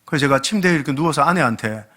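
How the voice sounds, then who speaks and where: Lively man in his late forties preaching. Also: on the high side, very fast. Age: late 40s. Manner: animated, humorous storytelling that acts out quoted dialogue. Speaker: guest pastor. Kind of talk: sermon.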